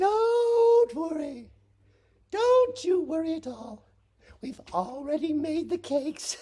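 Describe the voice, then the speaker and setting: A woman puts on a squeaky character voice at an extremely high pitch, with very wide pitch swings, big swings in loudness and a fairly slow pace. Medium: read story. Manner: agitated.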